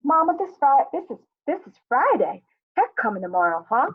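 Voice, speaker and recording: A woman's voice: high voice, big pitch swings, moderate pace, narrow, tinny audio, voice pushed up. A woman voicing a stubborn, sulky young schoolboy who pleads and grumbles. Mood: pleading.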